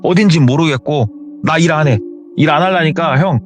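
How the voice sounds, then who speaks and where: A man's voice: on the high side, moderate pace, soft background music, pitched above the performer's own voice, close to an everyday voice. A man voicing a panicked young man who talks in a flustered, rambling way.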